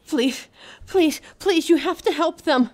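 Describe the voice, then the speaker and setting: A woman's voice: high-pitched, slow. A woman playing an anxious, sarcastic werewolf nearing thirty in an audio drama. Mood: panicked.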